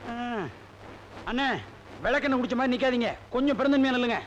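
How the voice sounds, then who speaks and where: A spiteful comic photographer. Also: male voice, very high-pitched, fairly even intonation, fast talker, dull audio, a little hiss or hum. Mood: scheming. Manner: fussy, bossy. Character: scheming comic male photographer, spiteful and gleeful.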